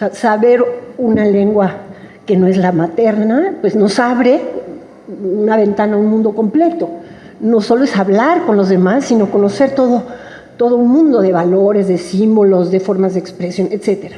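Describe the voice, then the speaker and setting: Speaking at medium pitch and a moderate pace, a woman keeps her loudness very even. Her pitch varies in an ordinary way, with noticeable background noise behind her. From Mexico. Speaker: historian and author. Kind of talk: book presentation talk. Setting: book fair panel.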